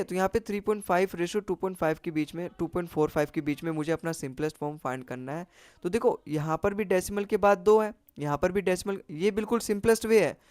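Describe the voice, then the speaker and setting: A male maths teacher with a slightly raised pitch, talking students through a lesson step by step and stopping often to check they follow. The sound is dry and close to the mic, with little room around it. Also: darkish tone, no room sound. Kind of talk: exam-prep maths lesson.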